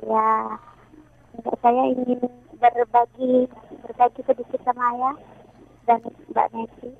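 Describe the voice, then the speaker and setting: A woman from North Sumatra calling in to a radio show, heard halting and in fragments as her phone line keeps dropping out. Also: a little high, level tone, vocal fry. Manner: halting, speaks in broken fragments. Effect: phone call breaking up and dropping out. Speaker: radio call-in caller.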